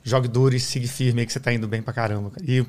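A middle-aged man from Brazil speaks as a podcast guest, walking through medical ideas in a calm, teacherly way. His voice sits in an ordinary middle register, and he keeps checking in with the listener as he goes. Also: medium pitch. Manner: measured, didactic, uses many "né?" tags. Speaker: neurologist guest. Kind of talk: explanatory podcast interview.

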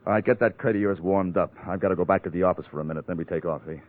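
An actor playing a curt, scheming crook in a 1940s radio crime drama, tough and commanding. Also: male voice, low voice, racing, lightly acted. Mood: curt, urgent. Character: curt, scheming male crook planning a getaway. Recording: muffled old radio with faint background noise.

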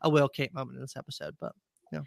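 A man in his thirties co-hosting a podcast, chatting in a relaxed, hesitant way with lots of agreeing. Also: medium pitch, fast talker, gravelly, no echo, studio quality. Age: 30s. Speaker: podcast co-host. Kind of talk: casual chat.

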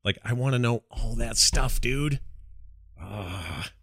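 A middle-aged man co-hosting a podcast, chatting casually and enthusiastically about games with animated, slangy storytelling. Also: medium pitch, slow pace, creaky, slightly rough, no echo, studio quality. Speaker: podcast co-host. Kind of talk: casual enthusiastic gaming chat.

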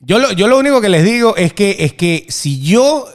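A man from Venezuela co-hosting a podcast, joking through animated casual banter. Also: high voice, moderate pace. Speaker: podcast co-host. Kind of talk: casual chat.

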